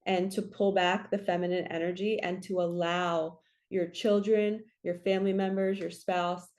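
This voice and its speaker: Woman doing a chatty spiritual reading vlog, bit raspy and stuffy from allergies, earnest, rambly. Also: on the low side, flat delivery, normal speed, darkish tone. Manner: chatty, earnest, drifts into stories. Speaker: host, spiritual card reader.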